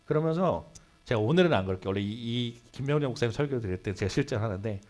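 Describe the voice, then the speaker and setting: Animated male preacher, lively pitch. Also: fast. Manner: animated storytelling, swinging between loud and hushed. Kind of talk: Sunday sermon. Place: church sanctuary.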